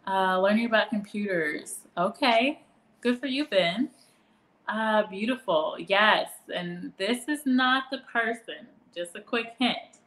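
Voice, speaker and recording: A woman's voice: mid-range voice, takes it slowly, fairly bright tone, roomy sound. A woman in her thirties hosting a casual live-stream trivia game, chatting with viewers by name and laughing often.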